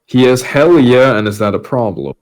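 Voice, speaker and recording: A man's voice: medium pitch, animated, moderate pace, a little mellow, poor audio. A man with a mid-range voice in casual podcast banter. He talks in a wry, teasing and rather wordy manner. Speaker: podcast host and reader.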